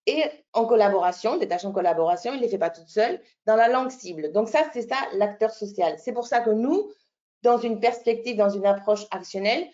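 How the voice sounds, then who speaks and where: A French language teacher trainer from Italy presents a teacher-training webinar in an Italian accent, explaining step by step with many fillers and restarts and checking in with "d'accord?". Her mid-range voice has a darkish tone and lo-fi sound.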